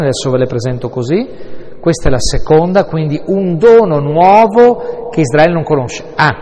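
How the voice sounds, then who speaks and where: A man's voice: medium pitch, darkish tone, in a large hall. A male priest explaining a Bible reading to his congregation, talking in a conversational, digressive way with wry asides.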